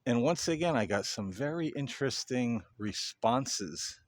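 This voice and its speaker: A man hosting a paranormal video, talking casually and earnestly to viewers in halting phrases. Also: medium pitch, lively intonation, dry recording. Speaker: paranormal investigator, video host. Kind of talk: casual explanatory monologue to viewers.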